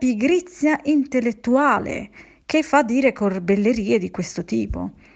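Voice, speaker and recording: A high-pitched woman at a very slow pace, with very wide pitch swings, over a quiet background. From Bari, southern Italy. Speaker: harpsichordist and keyboard musician. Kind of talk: radio interview. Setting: studio.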